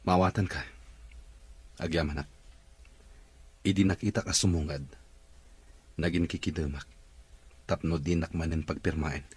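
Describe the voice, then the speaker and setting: A very low, husky male voice with a Filipino Ilocano accent, an actor playing a proud boss who is relearning to walk. The delivery is audio drama acting, earnest and determined. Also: steady tone, moderate pace, pauses often, darkish tone.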